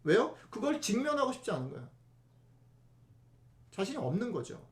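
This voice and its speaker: A man's voice: high-pitched, big pitch swings, moderate pace, reverberant. A male pastor giving a conversational sermon, chatty and often asking the congregation rhetorical questions.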